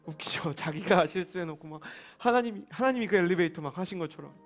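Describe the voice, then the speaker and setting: Young male pastor telling an animated sermon story. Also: sits high, fast talker. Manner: animated storytelling, acting out quoted voices. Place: church service. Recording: faint music behind.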